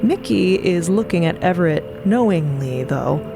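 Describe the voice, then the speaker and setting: Lower-pitched woman narrating over music. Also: animated, unhurried, gravelly. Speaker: narrator and co-host. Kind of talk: scripted audio fiction narration.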